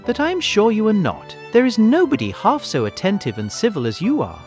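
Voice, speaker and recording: An actor playing a gentle, doting elderly gentleman with a fussy, fretful manner in a period audiobook. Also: high voice, wildly swooping pitch, brisk, soft background music. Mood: fond, fretful. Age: older. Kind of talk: period novel audiobook acting.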